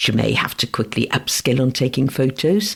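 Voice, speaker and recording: A man with a Welsh accent speaks at a moderate pace in a medium pitch. His intonation is lively, with some vocal fry. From Wales. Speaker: writing course instructor. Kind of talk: tutorial.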